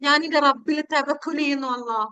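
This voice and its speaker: A woman leading a guided spiritual meditation and prayer in a pleading, devotional way with drawn-out phrases. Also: sits high, fairly even intonation, pushed and bright, no echo.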